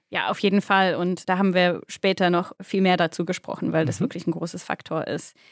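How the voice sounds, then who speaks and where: In a very clean recording with a silent background and a dry, close sound with no echo, a woman of medium pitch talks at a fairly quick pace with hardly any pauses and a monotone, flat intonation. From England. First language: English (speaking German). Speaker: podcast host, journalist. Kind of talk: casual chat.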